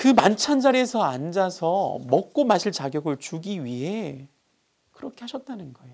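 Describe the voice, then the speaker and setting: Moderate-paced male speech over a quiet background. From South Korea. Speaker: pastor. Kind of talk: sermon. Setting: recorded alone to camera in a borrowed room. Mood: warm, animated, smiling. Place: studio. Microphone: lapel.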